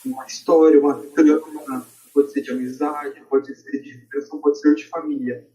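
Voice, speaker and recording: Echoey, distant, mellow Brazilian man. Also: a little high, fairly even intonation, normal speed. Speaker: podcast debate participant. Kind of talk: casual podcast discussion. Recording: echoey room, distant from mic.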